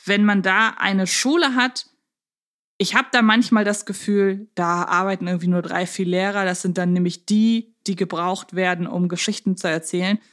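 A woman's voice: mid-range voice, steady tone, moderate pace, a bit bright. A woman co-hosting a podcast, chatting casually and discursively, thinking aloud as she goes. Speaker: podcast co-host. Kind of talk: casual chat about audio dramas.

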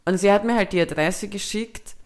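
A young woman co-hosting a podcast speaks with a Viennese Austrian German accent in a medium-pitched, slightly mellow voice at a normal speed. Chatting casually, she tells a story, swears freely, throws in English slang and plays out both sides of the conversation.

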